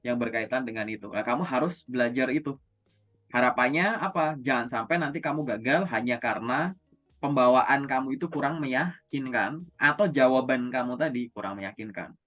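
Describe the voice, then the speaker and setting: A man's voice: mid-range voice, normal speed, a bit bright, highs cut off, faint music behind. A man coaching job seekers in a casual, conversational way, asking and answering his own questions. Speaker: career coach.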